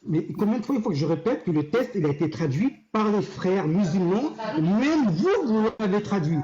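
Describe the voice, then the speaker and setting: A man's voice: high voice, animated, normal speed, warm tone, lo-fi sound. A man calling into a heated live debate, defending himself with stammering restarts. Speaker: caller in an online debate.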